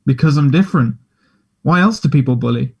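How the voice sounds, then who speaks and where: A man's voice: medium pitch, animated, a little fast, vocal fry, darkish tone, slightly rough. A man acting a chatty, self-deprecating gay teenage schoolboy in a table read, hesitant, earnest and teasing. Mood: candid, vulnerable. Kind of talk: play table read, naturalistic dialogue.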